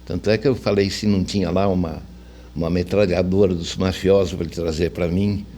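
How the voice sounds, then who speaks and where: An older Brazilian man with a fairly low voice, recounting memories as a veteran radio journalist being interviewed. He talks in a colloquial, anecdotal way, slipping into reported dialogue. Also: fairly even intonation, fairly quick, mellow, slight background noise. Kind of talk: casual anecdotal storytelling.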